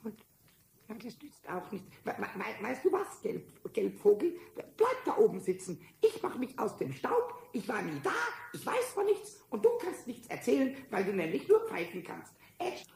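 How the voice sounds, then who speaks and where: A man voicing a small, cheeky, impulsive kobold in a children's radio play, squeaky and stammering with repeated words. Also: huge pitch swings, normal speed, gravelly, darkish tone, full character voice. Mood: sulky, sly. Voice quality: squeaky, high-pitched. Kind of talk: 1970s German children's radio play acting. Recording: noisy old vinyl radio-play recording.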